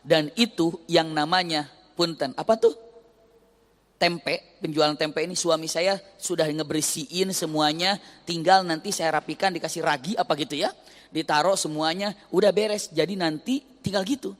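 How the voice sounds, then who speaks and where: A man's voice: a little high, moderate pace. A male Islamic preacher giving a sermon, telling a story and acting out the voices of its people. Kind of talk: sermon with acted stories. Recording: long hall reverb.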